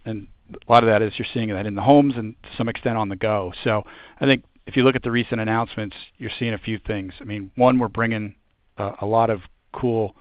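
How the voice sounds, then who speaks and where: A man speaking as a company executive on an earnings call, informal and halting as he answers. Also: mid-range voice, no echo. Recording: muffled conference call audio.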